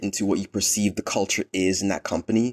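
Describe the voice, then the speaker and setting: A man with an American accent speaks at a fairly quick pace in a fairly low, monotone, flat voice. The recording is very clean, with a silent background and a dry, close sound with no echo. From New York City. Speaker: career coach. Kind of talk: interview.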